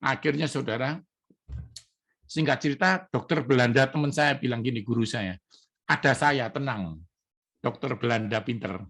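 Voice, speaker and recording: A man's voice: medium pitch, normal speed, creaky, pauses often, fairly bright tone. A middle-aged man from Indonesia, a pastor preaching an emotional testimony sermon to his congregation. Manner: emotional, addresses congregation as brothers and sisters.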